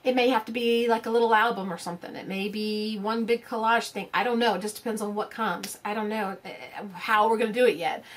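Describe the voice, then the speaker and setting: A woman, chatting casually to her craft channel's viewers in a rambling way, full of fillers and restarts. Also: a little high. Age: 50s. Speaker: crafting vlogger. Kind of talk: casual chat to camera.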